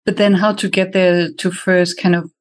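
A native German speaker hosts a conversational podcast in English with a German accent. The voice sits at a middling pitch, and the delivery is thoughtful and questioning. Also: little pitch movement, normal speed. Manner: thoughtful, asks questions, speeds up when explaining.

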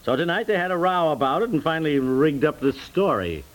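Man acting grumbling American husband, highly varied pitch, indignant, good-hearted, 1950s radio comedy style. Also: expressive, brisk, close to an everyday voice, low-quality recording.

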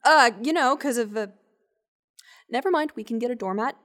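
A woman acting an awkward, wry scientist in a fiction podcast. Her voice sits fairly high, and she rambles in a naturalistic way, full of hesitations and dry sarcasm. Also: normal speed, a bit bright, close to an everyday voice. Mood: awkward, flustered. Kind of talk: naturalistic audio drama acting with first-person narration.

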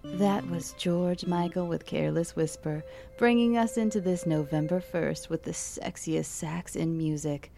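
A woman's voice: on the low side, a little slow, gravelly, over music. An actress playing a friendly late-night radio DJ who talks in a chatty, intimate way to her listeners. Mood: warm.

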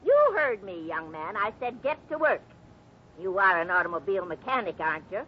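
Woman acting feisty old lady, scolding, exasperated, lively swings, vintage radio drama, dull noisy sound. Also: a little fast, lightly acted. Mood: bossy, scolding. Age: older. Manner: scolding, bossy, old-fashioned exclamations. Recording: noisy, rumbling 1950s radio recording.

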